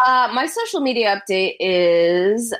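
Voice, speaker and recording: A woman with an American accent speaks at a medium pitch with lively intonation. She has an ordinary speaking voice. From United States. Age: 30s. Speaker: journalist. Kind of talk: casual chat.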